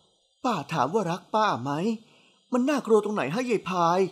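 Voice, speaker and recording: A woman's voice: mid-range voice, animated, normal speed, breathy edge, pitched above the performer's own voice. Woman reader as strict middle-aged aunt, scolds with affection, storybook. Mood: gently firm. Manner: firm, scolding yet affectionate. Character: stern middle-aged aunt, senior doctor.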